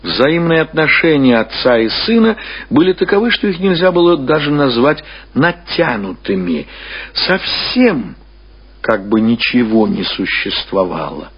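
A man reading classic prose as a narrator, with theatrical, deliberate and expressive storytelling. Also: medium pitch, slightly rough. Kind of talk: expressive scripted literary narration. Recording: dull, lo-fi old radio recording.

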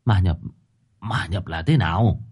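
A man voicing a confused older village man who speaks in a hushed, shaken voice and breaks into sobs. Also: deep voice, a little slow, husky, voice pushed down. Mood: dazed.

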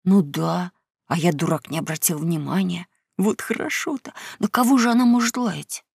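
A boy who takes the lead talks in a low, secretive whisper, as a woman voices him. The storybook reading is close and dry, with a gravelly grain. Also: moderate pace, dry recording. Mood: hushed. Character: boy, the bolder leader, whispering. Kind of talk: audiobook character reading.

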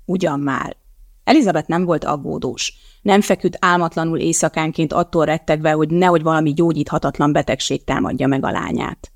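An audiobook narrator reading a novel in an even, measured way. The voice has a gravelly edge and sits in a middle pitch. The recording is dry and close. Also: no echo. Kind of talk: scripted narration.

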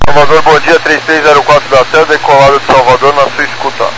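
A man's voice: a little high, little pitch movement, fast talker. A Brazilian man, an airline pilot, making clipped procedural callouts and readbacks over aircraft radio. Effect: radio transmission. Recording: very noisy cockpit radio.

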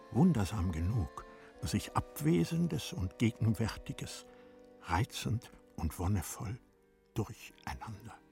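A man narrates a literary radio play, measured and deliberate, letting the ends of his phrases sink to a hush. His pitch is fairly low and shows vocal fry.

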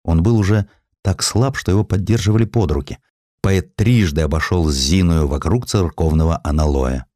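A man narrating a historical story for an audiobook in a theatrical, expressive storytelling manner. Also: deep voice, moderate pace, dry recording. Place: dry studio.

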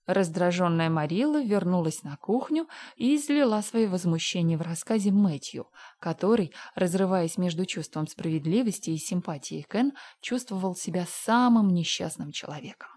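Женщина-рассказчица с низким голосом. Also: female voice, lowish voice, expressive, normal speed, few pauses, warm tone. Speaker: narrator. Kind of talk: audiobook drama narration.

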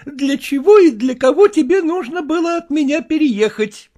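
A man voicing a shrill, scornful jealous wife. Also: expressive, normal speed, dark tone. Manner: sarcastic, shrieking, mocking laughter. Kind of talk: audiobook reading of a classic novel.

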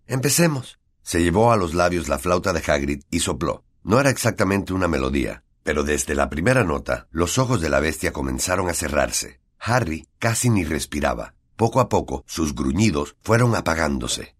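A man with a Latin American Spanish accent reading an audiobook in an expressive storytelling manner. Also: very deep voice, husky. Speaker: audiobook narrator. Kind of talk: scripted narration.

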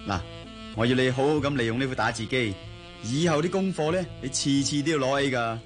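Radio play: an actor as a bossy young Hong Kong suitor, mid-pitched, faint guitar. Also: male voice, brisk, close to an everyday voice. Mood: teasing. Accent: Hong Kong Cantonese. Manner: teasing, bossy. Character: young male suitor, generous but bossy. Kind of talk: radio drama acting.

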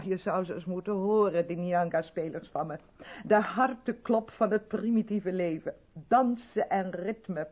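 An actress playing an effusive, self-absorbed white South African theatre director in a 1970s Dutch radio play, chatty and patronising in a theatrical way. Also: female voice, fairly low pitch, slightly rough. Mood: rapturous, dramatic. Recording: dull vintage radio recording.

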